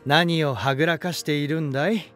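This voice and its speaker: An actor playing an elegant, romantic lighthouse spirit in a voice drama, gentle and warm, with poetic, softly teasing delivery. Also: male voice, fairly high pitch, steady tone, a little fast, natural voice. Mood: kindly teasing. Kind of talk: Japanese voice drama monologue and dialogue. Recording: music behind. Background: music.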